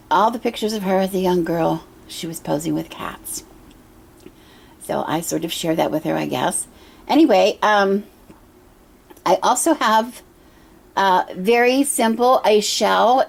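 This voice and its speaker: Middle-aged woman, hoarse, husky, gravelly, gentle rambling vlog talk with ums, home room, self-held camera. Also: mid-range voice. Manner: gentle, meandering, frequent ums and pauses. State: hoarse from a cough. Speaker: pagan altar vlogger. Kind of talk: casual show-and-tell vlog. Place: indoor room at home with a water feature. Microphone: camera she handles herself.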